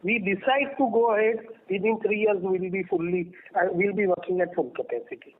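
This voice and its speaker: High-voiced Indian executive on a phone line. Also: male voice, a little fast. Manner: emphatic, repeats himself for stress. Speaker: company executive. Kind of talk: unscripted answers on an earnings call. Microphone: telephone. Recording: muffled narrowband phone conference line.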